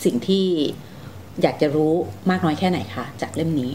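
A woman's voice: low voice, fairly quick, mellow, slight background noise, rough recording. A woman hosting a conversational interview, politely asking questions and summing up with some hesitation. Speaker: interviewer, show host.

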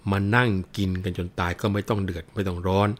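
A man's voice: low-pitched, fast, natural voice. A man doing a furious foul-mouthed old mother. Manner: shouting crude insults. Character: furious scolding old mother, coarse and domineering.

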